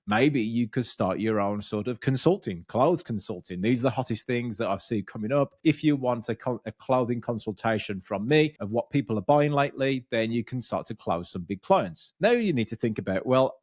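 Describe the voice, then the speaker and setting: A man in his thirties with a Birmingham accent, giving blunt, energetic business coaching straight to camera and swearing freely. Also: medium pitch, dry recording, clean studio sound. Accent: Birmingham English. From Birmingham, England. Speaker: business coach and podcast host. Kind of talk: direct-to-camera coaching talk. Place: small dark studio room with bookshelves. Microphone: studio mic on boom arm.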